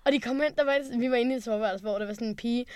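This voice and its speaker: A woman's voice: on the high side, a little mellow, smooth. A young woman chatting casually and hesitantly, with many fillers and restarts. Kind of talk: casual chat.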